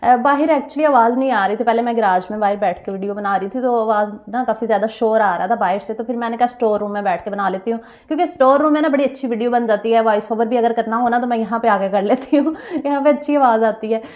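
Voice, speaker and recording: A woman vlogger with a slightly hoarse throat, chatting casually to viewers in a small store room and repeating her points. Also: fairly high pitch, fast, hardly any pauses, a little mellow, dull audio. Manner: chatty, repeats phrases, addresses viewers directly. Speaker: vlogger giving channel tips. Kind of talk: casual vlog talk.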